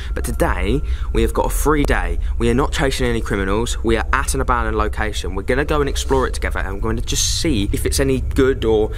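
Over faint background music, a man talks at a very fast pace with hardly any pauses. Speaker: video creator. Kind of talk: casual vlog chat. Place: open country. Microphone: phone near.

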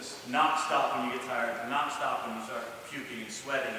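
Amid loud background noise and audible room echo, a man talks at a fairly quick pace. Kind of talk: motivational talk to campers. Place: hall. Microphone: camera far.

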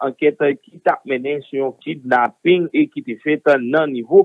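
A man speaks at a moderate pace in a fairly high pitch. He has an ordinary speaking voice. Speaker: radio news reporter. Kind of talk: news report and commentary.

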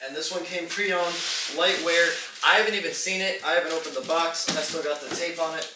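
Amid noticeable background noise and audible room echo, a man speaks at a very fast pace. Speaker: product reviewer. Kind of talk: casual vlog chat. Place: home room. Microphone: camera far.

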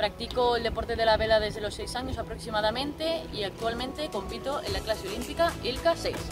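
Clear music plays in the background as a woman talks at a very fast pace with hardly any pauses. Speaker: competitive sailor. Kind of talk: scripted pitch to camera. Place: waterside.

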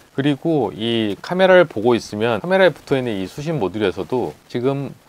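This man's voice sits at a medium pitch and swings very widely in pitch. He talks at a fairly quick pace. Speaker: tech YouTuber. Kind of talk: product review.

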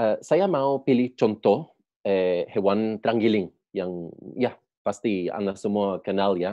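In an English accent, a man speaks at a very slow pace and fairly low pitch, with ordinary pitch variation and a quiet background. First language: English (speaking Indonesian). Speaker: conservation scientist. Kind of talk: lecture. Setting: video call. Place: home room. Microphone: video call.

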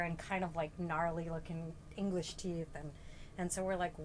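A woman with a fairly low pitch at a moderate pace, over light background noise. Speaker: interview guest. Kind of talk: interview answer. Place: car.

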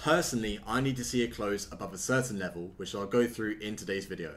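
The speaker is a man at a fairly quick pace. His pitch varies in an ordinary way. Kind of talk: commentary. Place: home room.

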